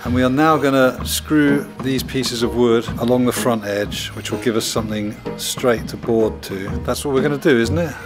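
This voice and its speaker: A man's voice: mid-range voice, normal speed, hardly any pauses, music in the background. A middle-aged man speaking casually and in an understated way, filming a handheld video diary inside a large barn. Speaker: vlogger building a recording studio in a barn. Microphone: handheld camera at arm's length.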